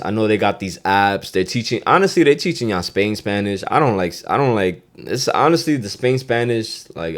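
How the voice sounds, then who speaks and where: A young man hosting a podcast, giving a loose, slangy Spanish lesson, swearing and dropping in Spanish phrases. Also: sits low. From Dominican heritage. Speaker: podcast host.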